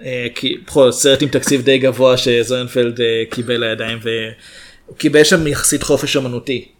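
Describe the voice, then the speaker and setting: A man co-hosts a relaxed film podcast at a middling pitch. He weighs his words, pausing and hedging as he gives his views. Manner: measured, hesitant, many fillers. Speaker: podcast co-host. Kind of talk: casual film chat.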